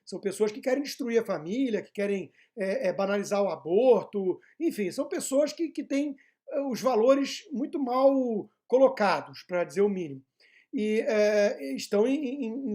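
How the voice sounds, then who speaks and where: A man's voice: sits high, mellow. A man giving opinionated political commentary, hesitating often with filler sounds and tag questions.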